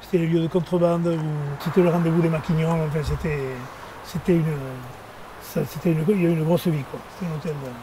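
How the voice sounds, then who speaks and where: Against noticeable background noise, a man with a fairly high pitch speaks in a flat monotone at a fairly quick pace, with long, frequent pauses. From Soule, French Basque Country. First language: Basque (speaking French). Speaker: local personality, Basque culture activist. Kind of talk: interview. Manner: halting.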